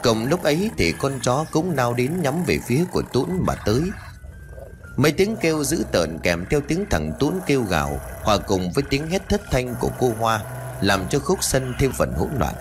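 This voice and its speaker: Storyteller with lively pitch. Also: male voice, moderate pace, noisy background. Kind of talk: scripted story narration.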